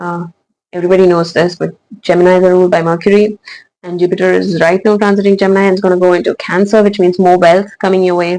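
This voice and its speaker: A woman talks at a very fast pace. Her tone is dark and mellow, with monotone, flat intonation. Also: medium pitch for a woman. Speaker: tarot reader. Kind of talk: tarot reading monologue. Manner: halting, repeating words.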